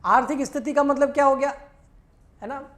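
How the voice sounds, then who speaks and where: A woman's voice: high-pitched, fairly even intonation, moderate pace. A woman teaching an exam-prep accountancy lecture. She explains patiently, keeps checking that students follow, and addresses them in a familiar way.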